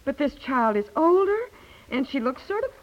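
A chatty American wife in a 1950s radio comedy. Her voice is high and she rambles, flustered and self-correcting, gently placating. The recording is an old, muffled broadcast. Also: very animated, moderate pace.

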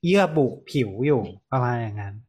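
A young man hosting a casual medical podcast, relaxed and chatty, laughing often. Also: medium pitch, a little fast. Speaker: podcast host.

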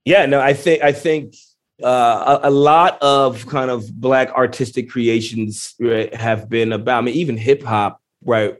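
A man answering interview questions in an emphatic, animated way, often tossing in "you know" and "right". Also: medium pitch, unhurried. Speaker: guest.

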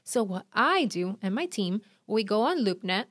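A woman in her thirties with a Puerto Rican accent talks through venue hunting, lively and direct, tossing in quick asides. Her voice sits at an ordinary middle pitch. The sound is dry and close, with no room around it. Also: no room sound. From Puerto Rico. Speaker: event planner and podcast host. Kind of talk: instructional talk.

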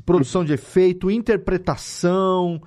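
Higher-voiced Brazilian man, emphatic podcast host. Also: normal speed, darkish tone, faint music behind. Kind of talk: conversational podcast interview.

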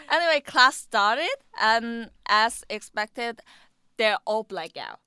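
A young adult woman from Korea with a Korean accent, chatting as an interview guest, halting and searching for English words, often laughing. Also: fairly high pitch, expressive, bright, forceful tone, clean tone, no echo, studio quality. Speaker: guest musician. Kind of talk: casual interview chat.

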